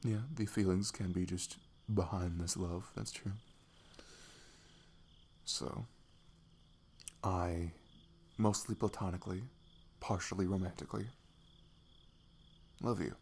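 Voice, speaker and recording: A man playing a shy, affectionate young best friend in an intimate ASMR roleplay, speaking softly and haltingly with a giggly manner. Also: sits low, steady tone. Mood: bashful, affectionate. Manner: halting, giggly, soft-spoken. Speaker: audio roleplay performer. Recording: faint noise, night crickets behind. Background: crickets and night insect ambience.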